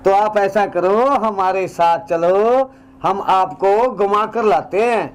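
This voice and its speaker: Scheming son played by a man, slow, high for a man, light music behind. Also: clear, resonant tone, low-quality recording. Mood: coaxing. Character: scheming son, falsely sweet. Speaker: son in a family skit. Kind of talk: low-budget comedy skit acting.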